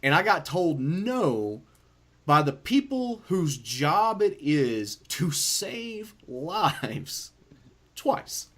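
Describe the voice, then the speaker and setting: A man hosting a podcast, telling a story in a loose, profane, animated way. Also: on the high side. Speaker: podcast host. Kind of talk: casual storytelling chat.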